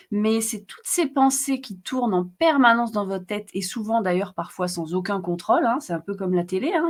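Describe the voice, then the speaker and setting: Woman, live-stream host, chatty, repetitive, many fillers, middle pitch. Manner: warm, chatty, frequent fillers and repetitions, laughs often. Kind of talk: casual live teaching, reading comments.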